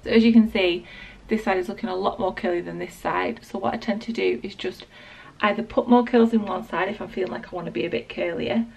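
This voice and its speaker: A woman in her late twenties with a Northern English accent, croaky from a sore throat, casually talking through a hair tutorial with lots of ums and likes. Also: mid-range voice, brisk, hardly any pauses, darkish tone, distant mic. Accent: Northern English, Lancashire. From England. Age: late 20s. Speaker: beauty vlogger. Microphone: small external mic.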